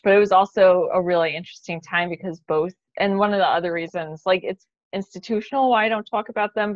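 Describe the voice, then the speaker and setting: Woman in her 30s, candid and self-deprecating, lowish voice, slightly muffled video call. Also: dry recording. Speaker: playwright guest. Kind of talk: casual, candid roundtable chat. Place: bright living room at home.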